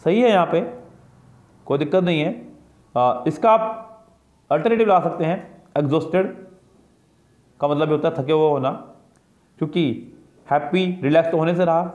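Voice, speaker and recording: An English teacher leads an exam-prep grammar lesson, working through each answer step by step and repeating his own questions and answers. His voice is on the high side and a little mellow, and the recording sounds roomy, dull and lo-fi.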